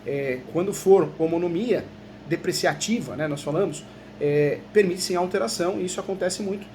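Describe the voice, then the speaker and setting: Chatty Brazilian law professor, high voice. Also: male voice, fairly quick, a little mellow, a little hiss or hum. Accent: Brazilian Portuguese. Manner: chatty, peppers talk with tag questions. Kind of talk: conversational video lesson.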